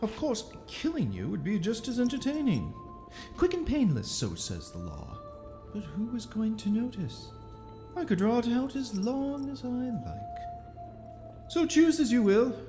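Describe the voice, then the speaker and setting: A cruelly amused inquisitor mage from a fantasy radio play. The delivery swoops dramatically from silky drawl to mocking lilt. The voice is mellow and rings in long reverb, with music beneath. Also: female voice, fairly high pitch, wildly swooping pitch, a little slow, full character voice. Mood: cruel amusement. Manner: theatrical, drawling, condescending. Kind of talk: audio drama acting.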